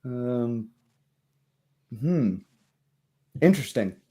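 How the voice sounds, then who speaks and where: A man voicing a very old female gnome historian, easygoing and hospitable, who talks in a halting, folksy mutter. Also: mid-range voice, animated, mellow, breathy edge, full character voice. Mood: musing, guarded.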